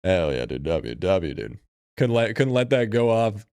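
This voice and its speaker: Male streamer, lowish voice, casual frat bro talk, slangy and sweary, dry recording. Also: big pitch swings, a little slow, darkish tone, clean tone, no room sound. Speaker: live streamer. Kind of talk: casual livestream chat.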